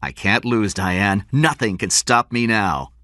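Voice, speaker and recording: A narrator voicing a tense, forceful businessman father with an urgent, insistent delivery. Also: low voice, lively intonation, measured pace, no room sound, clean studio sound, voice pushed up, exaggerated voice. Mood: defiant.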